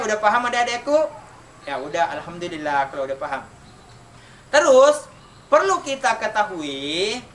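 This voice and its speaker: In an online lesson, a man with a very high, pushed, bright voice teaches children the rules of Quran recitation. He asks questions, answers them himself, and chants the examples slowly. The mic is distant, with faint background noise.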